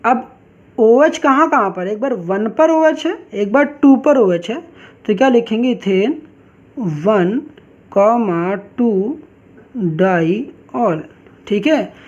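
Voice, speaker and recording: A woman teaching a chemistry class, who keeps asking questions and answering them herself and drags out key terms slowly. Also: a little high, expressive, darkish tone. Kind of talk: online class lecture. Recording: dull lo-fi recording.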